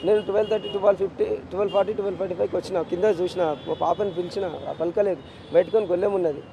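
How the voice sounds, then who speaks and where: A man's voice: high voice, fairly even intonation, rapid-fire, gravelly, mellow, slight background noise, low-quality recording. A middle-aged man with a Telangana Telugu accent, a bereaved father giving a street news interview, anguished and insistent as he repeats his demands. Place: outdoors on a city street.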